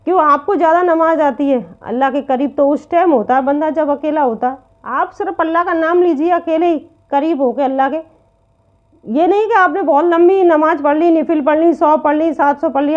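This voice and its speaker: A woman with a high-pitched voice speaks to online viewers in an informal religious talk. She urges her listeners earnestly and circles back to the same points again and again. The recording is dull and lo-fi. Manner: earnest, repetitive urging.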